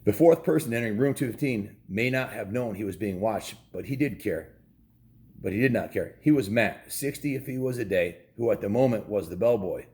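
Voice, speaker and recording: A man's voice: lowish voice, fairly quick, a little mellow. A man in his fifties with an American accent, reading a children's book aloud with informal, jokey asides. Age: 50s. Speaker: children's book reader and host. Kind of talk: casual read-aloud with asides to viewers.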